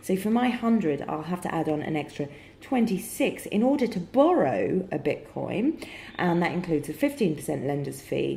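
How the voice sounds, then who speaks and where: In a British accent, a woman speaks at a moderate pace with a fairly low pitch, vocal fry, a dark, mellow tone and very wide pitch swings. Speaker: product reviewer. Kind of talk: screen-recorded tutorial walkthrough.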